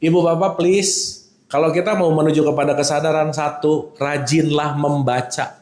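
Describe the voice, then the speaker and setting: A man's voice: a little high, normal speed, echoey room. A man giving a casual religious lecture, teasing and checking in with his listeners. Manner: animated, teasing, checks in with the audience. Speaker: religious teacher.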